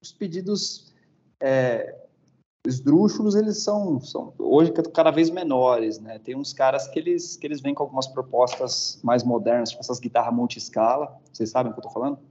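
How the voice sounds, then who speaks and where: A man's voice: medium pitch, normal speed, a little mellow. A man in casual conversation, reflecting hesitantly on guitar tuning and often ending his phrases with a tag question. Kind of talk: casual chat about guitars. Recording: dull lo-fi sound.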